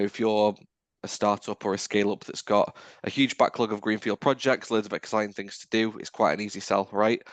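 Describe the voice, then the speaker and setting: A man's voice: on the low side, dry recording. A man hosting a video call roundtable, framing his questions in a friendly, rambling way. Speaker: podcast host, recruiter.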